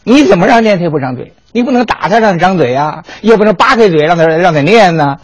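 A man telling history in a lively, colloquial lecture with dramatic asides. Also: sits high, quick pace, husky, no echo. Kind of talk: storytelling lecture.

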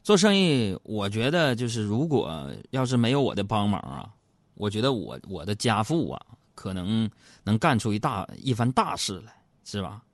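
A man host delivers a comic monologue, teasing his listeners and mock-complaining about everyday life. His pitch swings widely as he speaks. The sound is dry and close. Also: sing-song, normal speed, no echo.

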